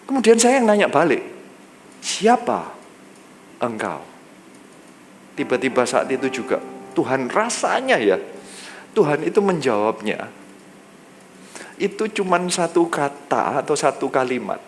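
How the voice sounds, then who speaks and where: A male pastor, telling a personal testimony in a sermon, lively and drawn-out when he quotes. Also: a little hiss or hum. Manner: lively storytelling, drops low and slow when quoting God.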